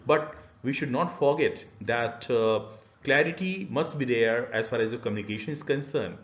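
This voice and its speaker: A middle-aged man with an Indian accent giving an explanatory online lecture, phrasing haltingly with many filled pauses. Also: mid-range voice. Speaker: university lecturer. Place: small indoor room. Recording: dull, boxy, roomy webcam audio.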